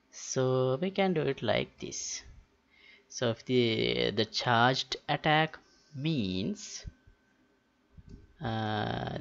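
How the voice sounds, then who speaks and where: A man giving an unscripted software tutorial, halting as he thinks aloud. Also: medium pitch, creaky, lo-fi sound. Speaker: tutorial host.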